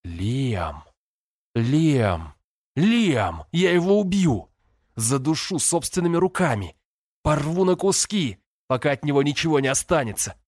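A man voicing a frightened teenage boy who begs and shouts in desperation over his brother. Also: mid-range voice, a little slow, no echo, clean studio sound, pitched above the performer's own voice, natural voice. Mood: raging. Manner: frantic, pleading outbursts.

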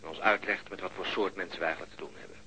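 An actor playing a reflective murder detective who talks in a thoughtful, musing way. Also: male voice, low voice, fairly even intonation, rapid-fire, pushed and bright, slight background noise, low-quality recording. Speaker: police detective. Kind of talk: radio drama acting.

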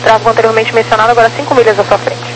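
A brisk, formal Brazilian air traffic controller spelling out call signs over radio, in the manner of a police dispatcher. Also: mid-range voice, level tone. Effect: aviation radio. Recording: noisy humming radio transmission.

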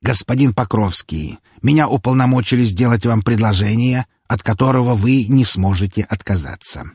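A man voicing an elderly, courteous Chinese chancellor who speaks calmly and formally. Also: medium pitch, normal speed, slightly rough, no echo, clean studio sound. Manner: ceremonious, formal, calm.

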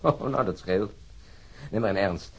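A man playing a wry, reflective, argumentative police colleague in a crime radio drama, with a husky voice. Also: lowish voice, a little slow, heavily acted.

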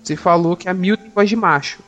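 A man's voice: sits high, fairly quick, a bit bright, muffled recording, faint music behind. A man with a Brazilian accent hosting a casual film podcast, rambling with many restarts and jokes. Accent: Brazilian Portuguese. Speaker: podcast host and editor.

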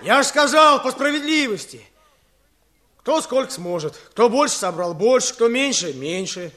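A man's voice: very high-pitched, lively intonation, normal speed, a bit bright, some chatter behind. Kuzma, an earnest village chairman. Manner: persuasive, coaxing, firm. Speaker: village chairman leading a meeting. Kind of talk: radio play acting.

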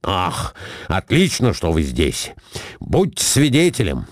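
A man's voice: sits low, huge pitch swings, slow pace, dry recording, studio quality, pitched below the performer's own voice, full character voice. A man voicing a flustered middle-aged husband who swings from meek muttering to indignant bluster.

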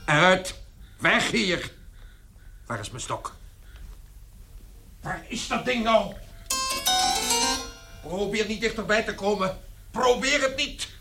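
A man's voice: high voice, animated, slow pace, creaky, pauses often, over music, full character voice. An actor playing a harsh, irascible, middle-aged father with a brusque, commanding manner in a radio play. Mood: furious.

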